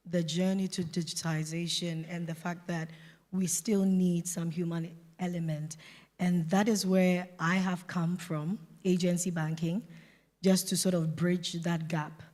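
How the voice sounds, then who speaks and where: A woman's voice: lowish voice, dark tone. A woman speaking on a conference panel about agency banking, talking steadily and assuredly. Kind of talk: panel discussion. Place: conference hall. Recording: reverberant conference hall.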